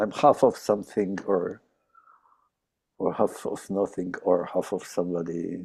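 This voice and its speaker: At a fairly slow pace with long, frequent pauses, a man speaks in a very deep, low voice with a dark, mellow tone and fairly even intonation. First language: Polish. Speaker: jazz musician. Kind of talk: Q&A conversation. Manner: halting.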